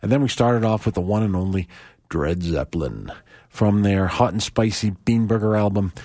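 A man hosting a music radio show, talking casually between tracks with a hoarse, croaky voice, loose and chatty with asides. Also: fairly low pitch, a little mellow, no echo, clean studio sound. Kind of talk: relaxed radio back-announcing.

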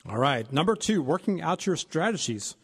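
A man's voice: fairly high pitch, normal speed, breathy edge. Man explaining retirement planning, reverberant. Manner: steady explanatory, lists points. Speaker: financial advisor co-host. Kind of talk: radio-style financial advice talk.

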